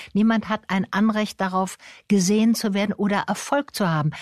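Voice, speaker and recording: Somewhat breathy, a woman talks at a moderate pace with a medium pitch. The sound is dry and close with no echo, over a quiet background. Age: 70s. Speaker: actress and satirist. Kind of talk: interview answer.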